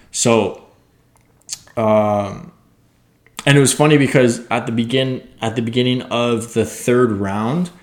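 A young man casually recapping fights as a podcast host, rambling and excitable, swearing now and then. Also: lowish voice. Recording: echoey room.

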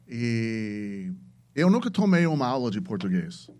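A man's voice: mid-range voice, sing-song, measured pace, darkish tone. A man with an American accent, a native English speaker, talking casually as a podcast guest and searching for words in his second language. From United States. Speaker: podcast guest, venture capitalist.

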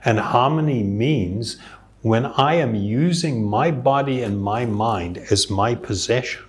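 A man speaking slowly and thoughtfully as a yoga teacher, explaining spiritual ideas in an earnest tone. His voice sits at an ordinary middle pitch, and he breaks into a soft chuckle every so often. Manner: reflective, earnest, with occasional chuckles. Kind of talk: spiritual talk.

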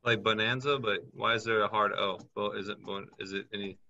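A man's voice: fairly low pitch, steady tone, brisk, pushed and bright, dull audio. A man working as a business consultant, talking in a chatty way and thinking aloud as he reads up on things during a call. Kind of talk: casual advice call.

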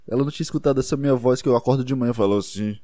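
A man's voice: medium pitch, racing, dark tone, dry recording. A young man with a Brazilian accent telling a rambling, self-deprecating story in a casual monologue, swearing freely along the way. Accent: Brazilian Portuguese.

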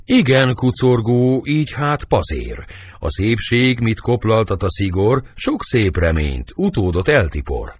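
Romeo, lovesick youth, read by a husky man. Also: lowish voice, very animated, dry recording. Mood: lovelorn. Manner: declaiming verse with sighing swings of feeling. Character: young lovesick nobleman Romeo, brooding. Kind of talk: audiobook reading of a verse play.

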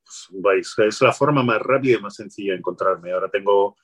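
A man speaking as an interview guest, explaining marketing tips in a relaxed, advice-giving way, often restarting his phrases. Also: fairly low pitch, a little fast, husky. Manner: explanatory, many restarts and "pues". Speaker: guest, LinkedIn sales consultant.

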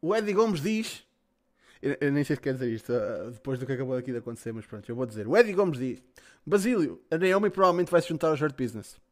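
A man's voice: medium pitch, very animated, fast. A man with a European Portuguese accent, hosting a podcast and reading out listener questions in casual, slangy talk with some swearing. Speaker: podcast host.

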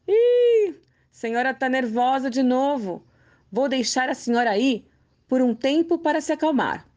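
A woman voicing a crafty, cheerful old man who talks calmly and teasingly in a storybook tale. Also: a little high, a little slow. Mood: sly, teasing. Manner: sly, calm, teasing.

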